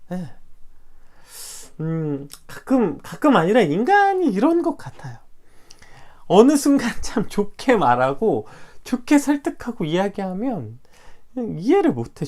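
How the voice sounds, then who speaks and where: Male pastor giving a morning devotion; animated delivery with wide, lively intonation. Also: high voice, a little slow. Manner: animated, acts out quoted dialogue, rhetorical questions.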